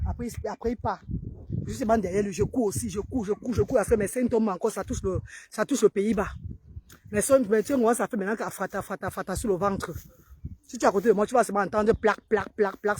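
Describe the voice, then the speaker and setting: A woman's voice: medium pitch, noisy background. A mother of an autistic child filming herself outdoors in a park, speaking earnestly and urging other mothers on a casual livestream.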